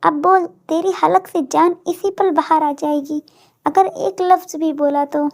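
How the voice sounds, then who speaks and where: A woman's voice: very high voice, fairly even intonation, unhurried, darkish tone. A woman voicing a protective, fierce male henchman in a narrated audio story, menacing in threat and worried in care. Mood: threatening.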